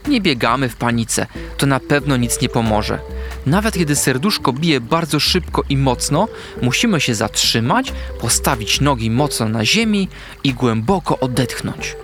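A wise, caring owl lady, as a male narrator puts her on, who speaks softly and calmly in a storybook. Her patient, soothing voice rises and falls with lively pitch, and soft music plays faintly behind her. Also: normal speed, natural voice.

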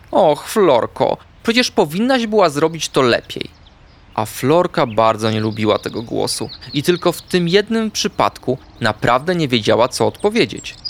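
A man narrating a children's storybook in an expressive, sing-song way. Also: medium pitch, slight background noise.

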